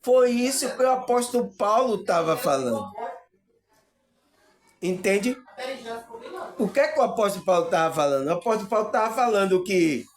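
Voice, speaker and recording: A man with a Bahian Brazilian accent gives a spiritual teaching monologue to his viewers, often pausing on hesitant fillers and checking whether they understand. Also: high voice, very animated. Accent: Bahian Brazilian Portuguese. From Salvador, Bahia, Brazil. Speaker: spiritual video host.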